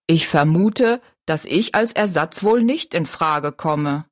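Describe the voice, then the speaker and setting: A woman's voice: deep voice, expressive, dry recording, clean studio sound. A woman voicing a tall, thin, dignified male circus giant who speaks with courtly politeness. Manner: courtly and slow, bowing politeness.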